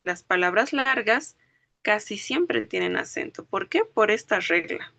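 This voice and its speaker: This language teacher lectures online with an animated, pushed and bright mid-range voice at a measured pace, recorded dry. She walks through rules one step at a time, breaks words into syllables, and keeps asking whether students understand.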